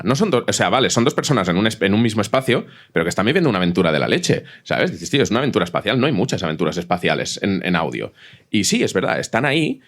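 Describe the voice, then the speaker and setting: A man with a Spanish accent from Spain talks casually and colloquially in a panel discussion, explaining things vividly with some mild swearing. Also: fairly low pitch. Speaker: audio fiction writer, panelist.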